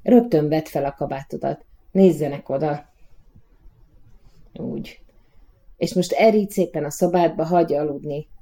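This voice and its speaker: An actress playing a coaxing, impatient prima donna in a radio play. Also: female voice, low-pitched, pauses often, dark tone. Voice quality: theatrical, coaxing.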